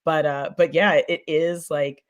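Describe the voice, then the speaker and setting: A woman's voice: deep voice, steady tone, unhurried. A woman speaking informally and emphatically as a fiction podcast creator in a casual panel discussion, with an enthusiastic manner.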